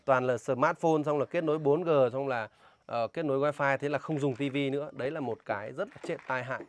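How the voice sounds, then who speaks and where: A man with a northern Vietnamese accent speaking in a casual vlog. He talks indignantly and emphatically, firing pointed questions, in a voice of middling pitch. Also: brisk. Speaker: vlogger warning villagers about a scam. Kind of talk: casual outdoor vlog talk, interviewing a local.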